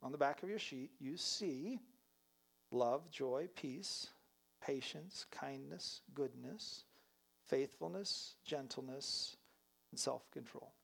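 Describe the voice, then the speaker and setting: A pastor preaching a sermon, earnestly putting reflective questions to the congregation. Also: male voice, mid-range voice, takes it slowly, gravelly, a bit bright.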